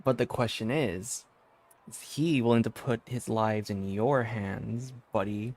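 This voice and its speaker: A man's voice: fairly low pitch, fairly even intonation, unhurried, darkish tone. A man giving casual, sarcastic game commentary as a streamer, informal and sweary.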